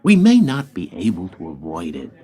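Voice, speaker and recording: An actor playing a hawkish, calculating senior White House aide in a radio play, speaking with deliberate authority. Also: male voice, low voice, huge pitch swings, warm tone, breathy edge, full character voice. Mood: grim, resolute.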